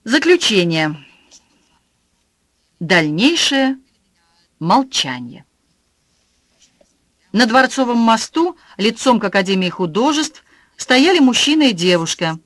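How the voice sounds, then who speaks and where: An audiobook narrator reading a novel in an even, measured way on a close mic. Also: mid-range voice, dry recording. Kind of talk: scripted narration.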